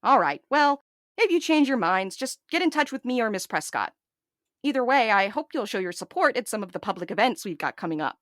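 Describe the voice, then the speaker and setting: A woman's voice: fairly high pitch, sing-song, brisk, a bit bright, dry recording. A woman plays an officious male governor's assistant in an audio drama. He is fussy and self-important, delivering chirpy, polished public relations patter. The sound is dry and close. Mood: smoothly persuasive. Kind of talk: scripted audio drama dialogue.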